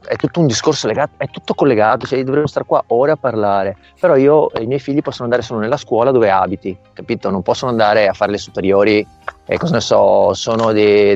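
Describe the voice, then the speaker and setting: A middle-aged volleyball coach with a lowish, darkish voice is interviewed over a remote call. He explains in detail and regularly asks "capito?" to confirm he's been understood. The audio is dull and lo-fi with faint music in the background.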